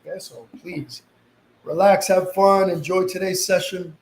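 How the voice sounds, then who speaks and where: In a high voice with fairly even intonation, a painting instructor leads a live tutorial at a measured pace. He sniffles slightly from a mild cold and keeps a reassuring, easygoing tone. There's roomy echo and some background noise.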